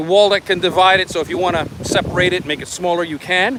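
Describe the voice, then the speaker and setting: A man with a Long Island accent, high-pitched, at a moderate pace, amid noticeable background noise. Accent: Long Island New York. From Long Island, New York. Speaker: real estate agent. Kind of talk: live-streamed walking tour. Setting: outdoors, walking in a park. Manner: casual, conversational.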